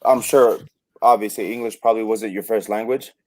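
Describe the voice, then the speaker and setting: A man co-hosting a podcast interview, with a fairly low voice. He listens closely and asks questions, often breaking in with short sounds of agreement. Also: fairly even intonation, a little fast, a little mellow. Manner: attentive, frequent affirmations. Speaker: podcast co-host.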